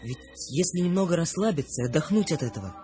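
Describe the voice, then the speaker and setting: A man's voice: a little high, lively intonation, quick pace, dark tone, close to an everyday voice. An actor playing a sensitive young man, a wary dreamer, in a radio drama, questioning and earnest. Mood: earnest, intrigued. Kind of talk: Russian radio drama acting. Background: music.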